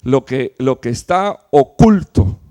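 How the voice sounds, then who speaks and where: A man preaching a sermon to his church, emphatic, with rhetorical questions and sudden loud peaks followed by low, quiet drops. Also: expressive, takes it slowly. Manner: fillers and restarts while explaining. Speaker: pastor.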